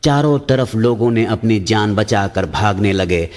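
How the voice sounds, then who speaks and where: A comedian with a Surinamese Hindustani accent, telling jokes in plain storytelling narration. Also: male voice, fairly low pitch, lively intonation, measured pace, darkish tone. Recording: long hall reverb.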